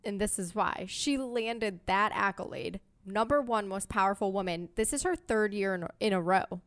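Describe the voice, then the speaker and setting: A woman co-hosting a casual business podcast, measured and wry. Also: medium pitch, fairly bright tone, dry recording. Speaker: podcast co-host. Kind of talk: casual chat.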